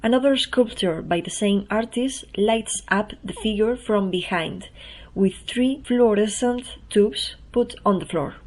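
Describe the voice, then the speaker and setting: The sound quality is poor as a Spanish woman with a mid-range voice speaks a little slowly in English, which isn't her first language. She hosts the podcast and writes the newsletter she's reading for a casual intro, keeping things soft-spoken and chatty while laughing at and teasing herself.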